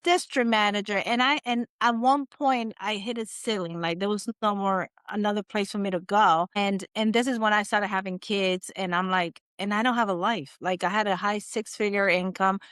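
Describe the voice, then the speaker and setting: A woman in her forties from the Dominican Republic, talking as a guest in a relaxed interview. She tells her story with animation and acts out what she once thought. Her voice is smooth and resonant, and the sound is dry and close. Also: mid-range voice, normal speed, hardly any pauses, dry recording. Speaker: guest, agency owner. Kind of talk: casual interview.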